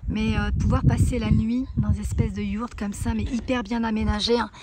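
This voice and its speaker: A woman's voice: a little high, flat delivery, brisk. Chatty, gushing woman vlogger. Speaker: lifestyle vlogger. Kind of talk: casual vlog chat to camera. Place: outdoors at a countryside ranch. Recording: roomy echo, faint ambient noise.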